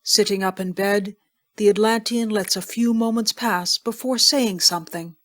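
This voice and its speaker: Female narrator for an audio drama, mid-pitched, measured and descriptive, reading scripted scene directions. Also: steady tone, fairly bright tone.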